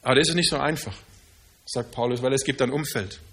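A man preaching a sermon in earnest, slowing down to stress key phrases. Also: medium pitch, fairly bright tone, breathy edge.

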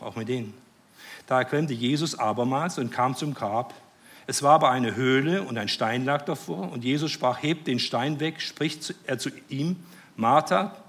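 A man preaching a sermon, earnest and fervent, rising to joyful excitement with hesitant restarts. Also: mid-range voice. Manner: earnest, rises to joyful fervor.

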